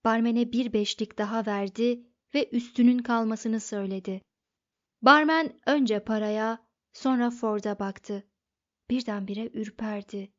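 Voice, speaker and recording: A woman narrates an audiobook with a steady, even delivery. Her voice sits somewhat high for a woman. The recording sounds dull and lo-fi. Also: a little slow. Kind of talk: scripted narration.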